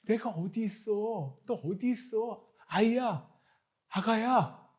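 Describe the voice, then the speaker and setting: A man voicing a loving heavenly father who softly and tenderly pleads with his hiding child to come out. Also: sits high, takes it slowly, pitched above the performer's own voice. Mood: tender pleading. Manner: tender, pleading, soft-spoken.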